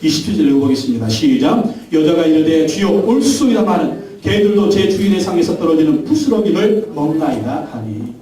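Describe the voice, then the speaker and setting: A man's voice: on the high side, animated, a little fast, few pauses, warm tone. A man preaching a Sunday sermon as pastor, emphatic, leading the congregation in call-and-response. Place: large church sanctuary. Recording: very echoey church hall, mic at a distance.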